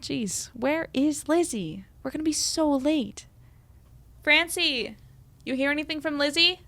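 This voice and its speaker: In an audio drama, a woman plays an earnest, self-deprecating young podcaster who chattily and descriptively narrates her evening, sounding impatient. Her voice is high-pitched and fairly bright, her pace measured, and the recording dry.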